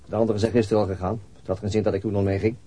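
A man's voice: lowish voice, level tone, rapid-fire, mellow, husky. An actor playing a weary middle-aged detective and father, laconic and dryly sardonic, in a naturalistic radio play.

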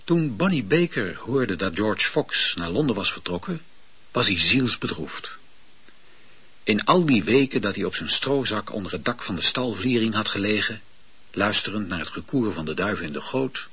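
A man narrating a radio play in a calm, measured, husky voice. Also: lowish voice. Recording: dull lo-fi old radio recording.

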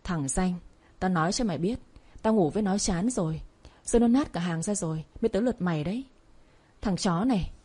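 A sneering, crude young man taunts his former lover, as a woman reader puts him on. The voice is dark and husky, sounding close to her own storytelling tone in an audio story. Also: lowish voice, animated, a little fast. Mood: spiteful. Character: leering arrogant young male ex-boyfriend.

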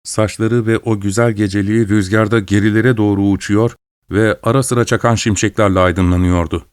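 A man narrating a suspenseful story aloud at a measured, steady storytelling pace. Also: on the low side, smooth, no room sound, clean studio sound.

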